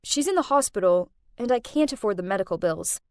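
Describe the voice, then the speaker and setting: A woman doing a gruff young boyfriend. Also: medium pitch, lively intonation, a little fast, darkish tone, dry recording, clean studio sound, voice pushed down, close to an everyday voice. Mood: hesitant. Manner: hesitant then gruff. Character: young man, hard-up boyfriend turning cold.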